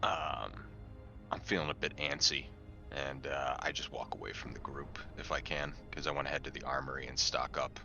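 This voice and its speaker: An extremely deep-voiced man with a gravelly creak talks casually as a roleplaying game player. The audio is dull and lo-fi, with music behind him. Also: normal speed, pushed and bright. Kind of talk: casual in-character game talk.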